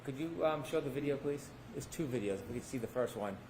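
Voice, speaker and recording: A man's voice: mid-range voice, lively intonation, fairly quick, background noise. Male trial lawyer, pointed cross-examiner, mid-range voice, courtroom recording. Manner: pointed leading questions with tag endings. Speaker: defense attorney.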